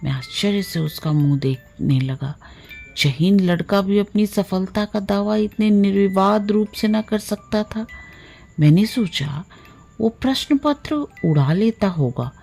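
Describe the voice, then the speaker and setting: A woman narrating a literary short story in a measured, expressive storytelling manner, drawing out her phrases. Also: medium pitch, vocal fry, soft background music. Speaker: audiobook narrator.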